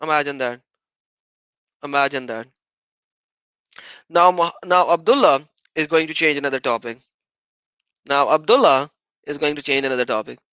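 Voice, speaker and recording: A man's voice: a little high, normal speed, pauses often, bright, forceful tone, smooth, no room sound, dull audio. A man whose native language is Urdu, hosting a heated livestream debate and reading out viewer donations, combative and insistently repeating his point.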